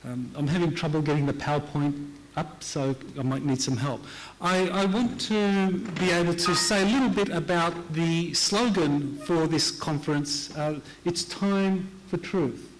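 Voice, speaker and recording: Middle-aged man from Hawaii, higher voice, earnest lecturer who repeats key points. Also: unhurried, poor audio. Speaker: conference speaker. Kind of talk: lecture presentation.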